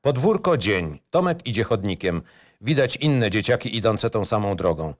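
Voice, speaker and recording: Male narrator for screenplay reading, lowish voice, clipped and matter-of-fact. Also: sing-song, moderate pace.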